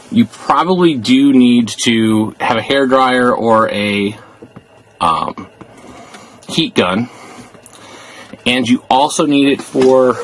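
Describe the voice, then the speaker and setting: A man talks through a car trim install in a relaxed, explanatory way while he works. His voice sits at an ordinary middle pitch. There is a faint hiss behind him inside the car. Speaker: car interior DIY reviewer. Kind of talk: casual how-to narration.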